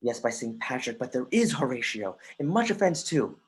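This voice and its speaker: An intense young prince played by a man speaks Shakespearean verse in a medium, husky register. He is wry and erratic, impassioned but halting in his delivery. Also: mid-range voice, big pitch swings. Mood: wry, insistent. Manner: impassioned, halting reading with stumbles. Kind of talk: Shakespearean verse in a livestreamed dramatic reading. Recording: remote livestream audio.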